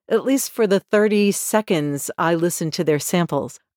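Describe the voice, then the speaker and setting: A woman with an American accent and a normal speaking voice, medium in pitch with ordinary pitch variation at a moderate pace, in a very clean recording with a silent background and a dry, close sound with no echo. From Massachusetts. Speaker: podcast host and voice actor. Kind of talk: scripted solo podcast monologue.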